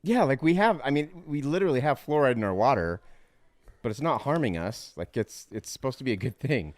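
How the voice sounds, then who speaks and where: A man's voice: medium pitch, no echo. A man co-hosting a casual movie podcast, eager and laughing often. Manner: eager, laughs often, quick bursts of excitement. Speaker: podcast co-host.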